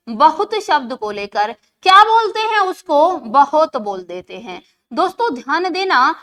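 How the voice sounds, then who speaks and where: A woman's voice: extremely high pitch, fairly bright tone. A woman teaching an exam-prep lesson who keeps asking questions and answering them herself, repeating key words for emphasis.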